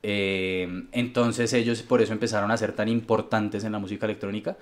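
A Colombian man with a somewhat low voice chats easily as a guest DJ. He tells stories in a loose, unhurried way, with plenty of fillers along the way. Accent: Colombian Spanish. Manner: relaxed storytelling with frequent fillers. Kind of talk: casual conversational interview.

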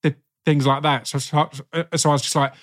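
A man's voice: fairly high pitch, flat delivery, fairly quick, a bit bright. A man with a stammer who repeats sounds and words, talking casually and earnestly as an actor hosting an interview.

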